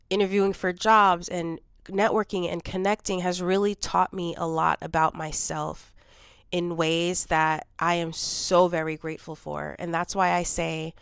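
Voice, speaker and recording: A woman in her forties talking candidly in a reflective personal vlog, congested from a cold and low on energy. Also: clean tone, no room sound, studio quality. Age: 40s. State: congested, dry cough. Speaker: vlogger.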